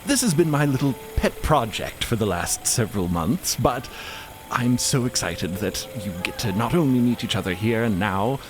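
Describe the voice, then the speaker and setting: Man as an eager, animated inventor professor. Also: mid-range voice, moderate pace, noisy background, lightly acted. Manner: eager, effusive. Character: excitable, genial male professor and inventor.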